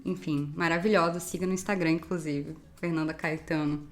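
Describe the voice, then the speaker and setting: A woman's voice: low-pitched, fairly even intonation, normal speed. Earnest Brazilian woman co-hosting a podcast. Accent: Brazilian Portuguese. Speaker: podcast co-host. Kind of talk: casual chat.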